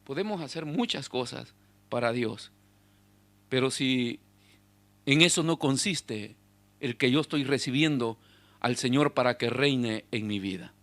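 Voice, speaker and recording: A man preaching a sermon as pastor, swinging between loud exhortation and hushed asides to the congregation. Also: mid-range voice, measured pace, pauses often. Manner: speaks directly to the congregation with rhetorical questions.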